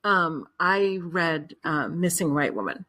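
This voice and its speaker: A woman's voice: fairly low pitch, animated, takes it slowly, fairly bright tone. A woman hosting a podcast interview, speaking in a hesitant way and correcting herself as she goes. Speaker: podcast host. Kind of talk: casual interview chat.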